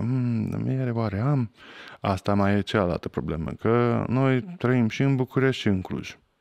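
Quiet background and dry sound with no echo for a medium-pitched man speaking at a fairly slow pace with ordinary pitch variation. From Szekler Land, Romania (Târgu Secuiesc); Romania. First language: Hungarian (speaking Romanian). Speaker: film crew member and cook; podcast guest. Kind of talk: casual chat. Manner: halting. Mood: relaxed, storytelling. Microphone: studio mic.

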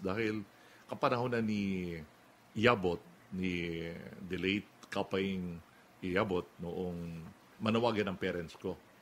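The pace is very slow, broken by long, frequent pauses. Intonation stays fairly even. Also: man, very deep, low pitch for a man. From Philippines. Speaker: radio broadcaster. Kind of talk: interview answer.

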